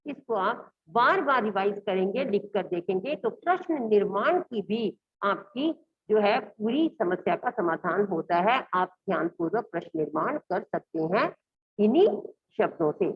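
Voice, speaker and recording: A woman's voice: medium pitch, animated, normal speed. A woman teacher giving a recorded lesson, fondly calling her pupils "beta" and reciting word forms one by one for them to repeat. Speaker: school Sanskrit teacher. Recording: dull lo-fi recording.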